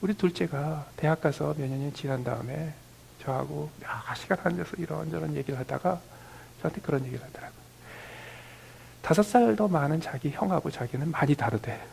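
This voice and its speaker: A man's voice: fairly quick, vocal fry, a little hiss or hum, low-quality recording. A Korean man in his fifties preaching a sermon as pastor, often dropping to a near whisper on key phrases, then lifting his voice to act out quoted family talk. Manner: acts out quoted family dialogue in a higher, louder voice.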